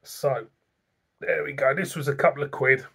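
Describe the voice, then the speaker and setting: A man's voice: mid-range voice, steady tone, moderate pace, creaky, fairly bright tone, slightly rough. A middle-aged man reviewing a beer to camera in a casual, rambling, plain-spoken way, recorded in a small room at home.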